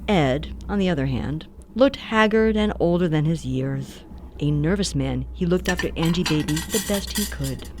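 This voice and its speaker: Woman acting elderly grandmother storyteller, drawn-out slow delivery, cooing, sweetly sinister, spooky radio play, faint noise. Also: low voice, a little mellow. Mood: ominous narrating.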